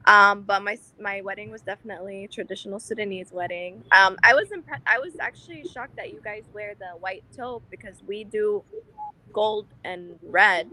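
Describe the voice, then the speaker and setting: Female panel guest, bright, mid pitch, chatty, self-correcting. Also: lively intonation, moderate pace, rough recording. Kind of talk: casual conversational answer.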